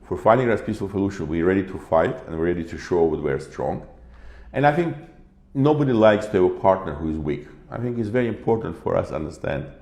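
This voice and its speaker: A man's voice: low-pitched, expressive, fast talker, darkish tone. A middle-aged man being interviewed, speaking earnestly in non-native English, repeating and restarting phrases for emphasis. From Armenian origin, Russian citizen. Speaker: interview guest. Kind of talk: earnest political discussion. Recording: roomy echo.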